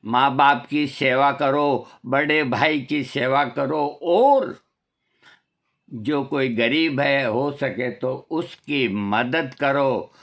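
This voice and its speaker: A man's voice: medium pitch, very slow, fairly bright tone. An older man giving a preachy, scolding talk with rhetorical questions, as a homeopathy vlogger. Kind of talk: moral talk to camera.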